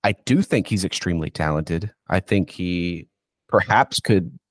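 A man's voice: low voice, a little slow, dry recording, studio quality. Stuffy-nosed man ranting about football. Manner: rambling, goes on rants, says "dude". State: stuffy, congested from illness. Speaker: football insider guest. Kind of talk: casual podcast chat.

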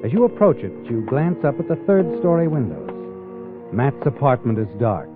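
An actor playing a sinister, taunting narrator of a 1940s radio crime drama, insinuating and deliberate. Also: male voice, mid-range voice, sing-song, natural voice. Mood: ominous. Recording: tinny, band-limited 1940s radio with music.

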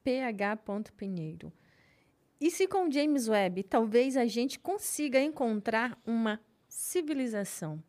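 Slow woman reading viewer questions. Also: a little high, lively intonation, a little mellow. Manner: reads viewer names and questions aloud. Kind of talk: casual live-stream chat.

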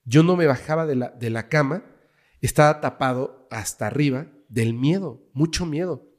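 A man with a Mexican Spanish accent, a guest on a casual podcast interview, telling a story dramatically and dropping to a hush at tense moments. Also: mid-range voice, moderate pace. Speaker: guest, paranormal investigator.

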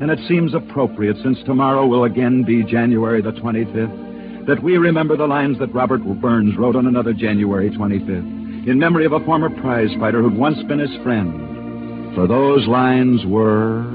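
A man hosting and narrating dramatic true stories in scripted radio style, with theatrical pauses. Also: mid-range voice, animated, over music. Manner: theatrical storytelling with emphatic pauses. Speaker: sports storyteller host. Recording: tinny old radio broadcast with hiss.

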